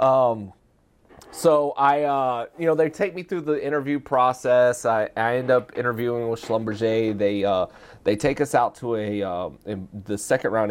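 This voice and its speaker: With an American accent, a man speaks at a moderate pace and medium pitch with ordinary pitch variation, in an unremarkable speaking voice. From Texas. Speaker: oilfield drilling engineer. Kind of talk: interview.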